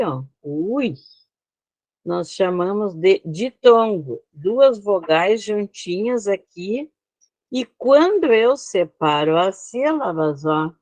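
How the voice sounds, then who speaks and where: A Brazilian woman, accented in Brazilian Portuguese, presents slides to an online class step by step while regularly asking if students are following along. The voice sits in the mid range with a somewhat dark tone, recorded without echo.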